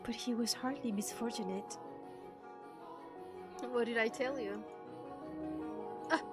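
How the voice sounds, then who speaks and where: High-voiced, excitable woman streamer. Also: slow. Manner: animated, excitable, teasing, exclaims and swears freely. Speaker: streamer playing a visual novel. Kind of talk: reading game text aloud with reactions. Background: music.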